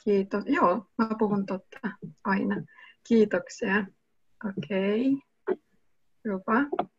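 Slow, patient young woman teacher. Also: medium pitch, slightly rough, no echo. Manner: slow, patient, switches between Russian and Finnish. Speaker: online Russian teacher. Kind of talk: one-on-one language lesson over video call. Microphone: video call webcam mic. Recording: muffled, dry video call audio.

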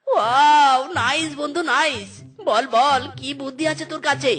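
A man voicing an excitable, boastful fox in a cartoon who is desperate to marry. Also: very high voice, normal speed. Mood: delighted. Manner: sings, shouts and swears playfully. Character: lovesick male fox matchmaker, boastful and excitable. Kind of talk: cartoon voice acting.

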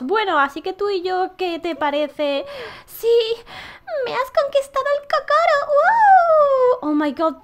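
High-voiced, animated woman gamer. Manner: reads game dialogue aloud in playful put-on voices. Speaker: gameplay video creator. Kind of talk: playful gameplay commentary. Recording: faint music behind.

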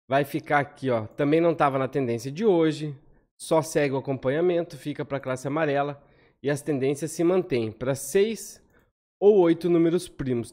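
A Brazilian man in his thirties talks through lottery number trends as he scrolls a spreadsheet. His voice sits a touch high and his delivery is quick and chatty. He keeps checking in with the viewer through little tag questions. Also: darkish tone. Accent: Brazilian Portuguese. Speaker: lottery analysis host. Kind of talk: casual spreadsheet walkthrough. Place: home room, on webcam over screen share.

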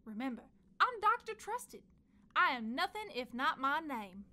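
A woman's voice: sits high, big pitch swings, unhurried, sharp tone, heavily acted. A woman playing a scheming, grandiose scientist villain in a comedic audio drama. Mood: smooth persuasion. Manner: grandiose, falsely reassuring, blunt. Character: scheming, theatrical female velociraptor scientist villain.

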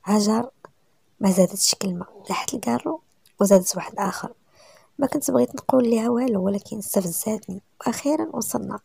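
A woman with a Moroccan accent narrating a romance story in the first person, often dropping to a hushed whisper. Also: mid-range voice, fast talker, gravelly, husky, no room sound.

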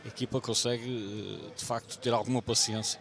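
A man with a European Portuguese accent giving analytical football co-commentary in a halting way, repeating words. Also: mid-range voice, fairly even intonation, creaky, a bit bright.

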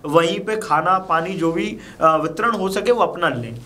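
A man's voice: sits high, normal speed, bright, forceful tone. A man playing a stern new police inspector. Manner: stern, lecturing, polite. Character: new village police inspector, firm but polite. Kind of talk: amateur village crime drama. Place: outdoors in a village.

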